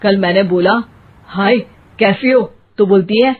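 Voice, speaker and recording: A woman puts on a young man's voice for a cartoon, lower than her own and slow. He is patient but fed up with his wife. The sound is thin and tinny, like a phone line. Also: natural voice. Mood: exasperated.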